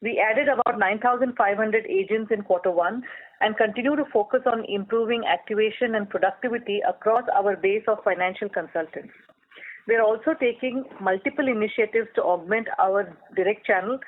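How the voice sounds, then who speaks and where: An executive reading a scripted earnings presentation in a formal, measured corporate manner. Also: medium pitch. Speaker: company executive presenting results. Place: telephone conference call. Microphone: phone line. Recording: tinny, narrowband phone line.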